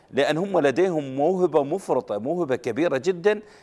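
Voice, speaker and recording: With an unremarkable speaking voice, a man talks at a fairly high pitch and a moderate pace, his intonation lively. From Iraq. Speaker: sports journalist. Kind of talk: football analysis discussion; talk show discussion. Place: studio. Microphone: lapel.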